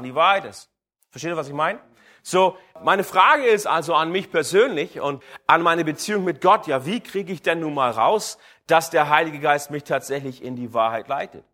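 Guy preaching a sermon, calls for amens, voice a bit on the high side. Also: a bit bright. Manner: addresses congregation directly, calls for amens.

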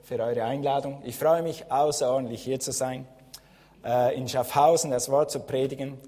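A man's voice: mid-range voice, steady tone, normal speed, dark tone. A man from Switzerland with a Swiss accent in his Standard German, preaching a friendly, chatty sermon as a guest pastor in a church hall. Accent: Swiss German speaking Standard German. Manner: friendly, chatty, laughs often, rising emphasis. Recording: long hall reverb.

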